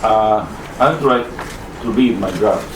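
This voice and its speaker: A native Japanese speaker reading prepared remarks in English at a press conference, slow and halting. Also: male voice, on the low side. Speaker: constitutional law professor at press conference. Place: press club conference room. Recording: roomy, distant mic, faint noise.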